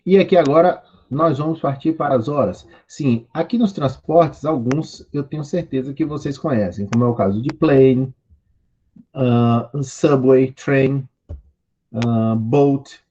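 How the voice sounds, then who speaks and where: Slow-spoken Brazilian teacher drilling English words. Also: male voice, medium pitch, a little mellow, lo-fi sound. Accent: Brazilian Portuguese. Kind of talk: recorded online class.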